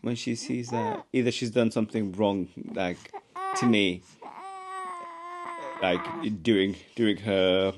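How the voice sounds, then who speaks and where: A man's voice: lowish voice, fairly even intonation, background noise. A young father chatting casually, often stopping and restarting his sentences. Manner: halting, restarts a lot, mellow. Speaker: father, co-host. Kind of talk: casual chat.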